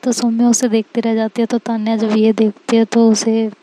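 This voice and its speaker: A young woman narrating a romantic story slowly and softly, mixing English words into her speech. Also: fairly high pitch, monotone, low-quality recording. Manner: slow, soft, mixes English words.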